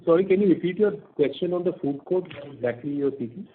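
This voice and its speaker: A man with an Indian accent answers questions on an earnings call as a company executive, measured, formal and cautious, over a phone line. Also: a little high, expressive. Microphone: conference call phone. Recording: husky-sounding narrowband conference phone line.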